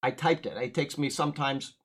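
A man's voice: medium pitch, steady tone, fairly quick, a bit bright. An older man preaching a sermon in a conversational, rambling way, often checking in with "okay?" and "right?". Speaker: pastor.

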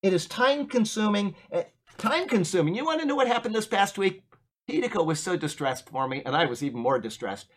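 A man's voice: sits high, lively intonation, brisk. An older man delivering a sermon in a loose, conversational manner. He wanders through his points and keeps checking in with his listeners. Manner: conversational, rambling, frequent "okay?" asides. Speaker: pastor.

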